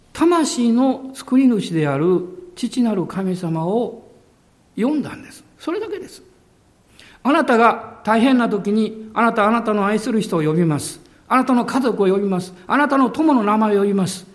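A male pastor preaching a sermon with emphasis, drawing out key words slowly. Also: sits high.

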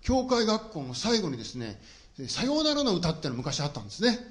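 Lively, quick-talking male preacher. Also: sits high. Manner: humorous personal storytelling to a congregation. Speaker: pastor. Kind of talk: sermon.

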